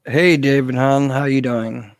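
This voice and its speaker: Gravelly, slightly hoarse man hosting casually. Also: medium pitch, fairly even intonation, measured pace, dry recording, clean studio sound. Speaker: live stream host answering viewer questions. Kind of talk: casual live Q&A chat.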